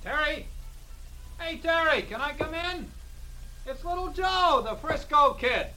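An actor playing an excitable, anxious American man, a married woman's lover, halting and nervous in an old radio drama. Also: extremely high pitch. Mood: playful calling. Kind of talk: 1940s-50s radio drama acting. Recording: noisy vintage radio recording.

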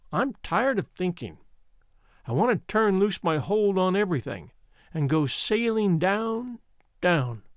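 Guy reading as a sick young woman, tired n wistful, high pitched, storybook style, dry sound. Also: darkish tone, smooth, no room sound, lightly acted. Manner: weary, wistful. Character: sick young woman, weary, morbid, fanciful.

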